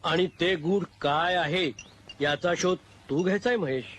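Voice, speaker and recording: A senior police officer with a fairly high voice, setting out a case in a steady, explaining way. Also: male voice, background noise. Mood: measured. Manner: measured, explaining. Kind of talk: comedy film acting.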